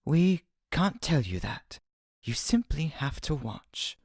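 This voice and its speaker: A gentle boyish spirit in an audio drama, voiced by a woman. The voice is slow and fairly deep, with big soft lilts and a reassuring manner. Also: very animated, breathy edge, no echo, studio quality, heavily acted. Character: gentle, timid young male spirit companion. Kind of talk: fan audio drama acting.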